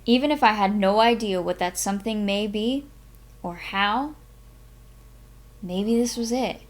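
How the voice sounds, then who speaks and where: Slow-paced woman, expressive live-stream host. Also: mid-range voice. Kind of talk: expressive audiobook-style reading and casual stream chat.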